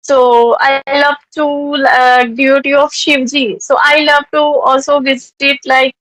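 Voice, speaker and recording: A woman's voice: high-pitched, level tone, measured pace, a bit bright, dry recording, low-quality recording. A woman with an Indian accent from North India, chatting in conversation practice, hesitant with frequent fillers. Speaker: tutor practicing English conversation.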